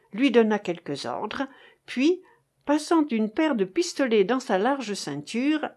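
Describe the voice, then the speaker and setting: A woman narrating a classic adventure novel as an audiobook reader, in a measured, deliberate way. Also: fairly high pitch, darkish tone.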